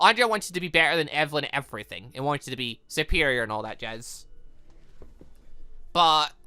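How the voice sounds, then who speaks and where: A man's voice: on the high side, bright, forceful tone, no echo. A man giving casual, rambling let's play commentary on a game, swearing now and then. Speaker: gaming video host.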